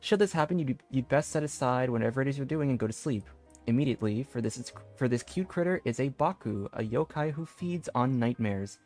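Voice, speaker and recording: Casual male game streamer over faint music. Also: mid-range voice. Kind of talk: casual livestream chat and reading aloud. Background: soft game music.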